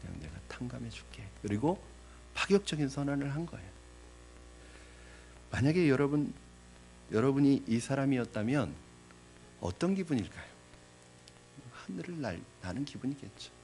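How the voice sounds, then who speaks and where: A male pastor preaches to his congregation in a slightly mellow mid-range voice with big pitch swings, normal speed and long pauses. He poses rhetorical questions and dramatically acts out the voices of the parable's characters. A little hiss or hum can be heard.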